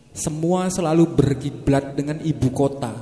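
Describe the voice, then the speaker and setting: With ordinary pitch variation and a moderate pace, the speaker comes through over noticeable background noise. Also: man. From Kalimantan, Indonesia. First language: Kalimantan regional language (speaking Indonesian). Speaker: musician. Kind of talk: casual discussion talk. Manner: halting, with repetitions.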